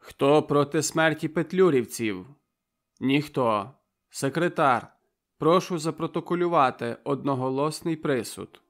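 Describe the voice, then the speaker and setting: A man's voice: fairly high pitch, a little slow. A man voicing a commanding rebel leader who declaims formally like a chairman at a trial. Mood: stern.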